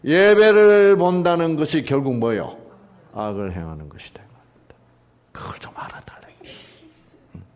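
A man's voice: a little high, normal speed, pauses often. A man teaching a Bible passage as a sermon, often asking and answering his own questions, with sudden drops into whispers. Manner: rhetorical questions and answers, swings from loud to whispered. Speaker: pastor.

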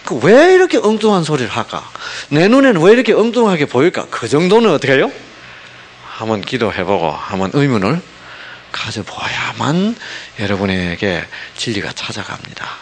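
A pastor with a mid-range voice preaches a sermon at a moderate pace, his pitch swinging widely. He peppers the congregation with rhetorical questions and drops from loud emphasis into hushed asides.

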